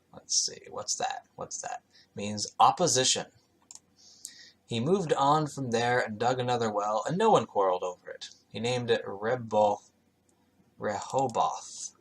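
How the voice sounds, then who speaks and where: A man reading scripture aloud and commenting on it as host, with offhand, skeptical, sardonic asides. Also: medium pitch. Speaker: reader and commentator, host of the show.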